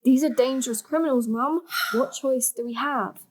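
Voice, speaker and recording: An actress playing an earnest, practical young daughter and granddaughter in a naturalistic drama. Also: female voice, sits high, normal speed, slight background noise, natural voice. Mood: urgent.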